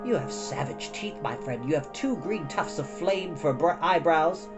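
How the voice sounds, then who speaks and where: Man doing a little old lady from a storybook, cracked highish voice, dreamy and wary, soft music behind. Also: lively intonation, unhurried. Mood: dreamy musing. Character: stiff old woman, dreamy, plucky and wary.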